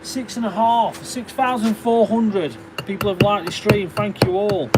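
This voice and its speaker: A man's voice: high voice, steady tone, a little slow. Man, Derbyshire accent, casual livestream chat, thanks viewers by name, workshop, heavy background noise. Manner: chatty, thanks viewers and reads out their names. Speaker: livestreaming stone carver.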